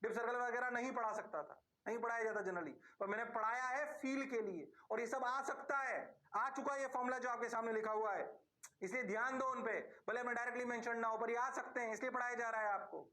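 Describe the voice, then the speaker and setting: A man's voice: extremely high pitch, fairly even intonation, quick pace, sharp tone, roomy sound. A male physics teacher giving a lecture, coaxing and often checking whether his students have understood. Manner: coaxing, keeps asking if it is clear. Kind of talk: classroom lecture.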